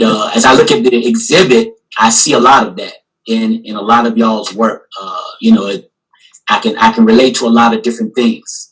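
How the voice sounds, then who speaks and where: This man, an artist and guest curator hailing from Newport News, Virginia, chats informally during a video call panel. He rambles, leaning heavily on "you know" as filler. The husky voice is medium-pitched with a fairly bright tone, captured in poor audio quality.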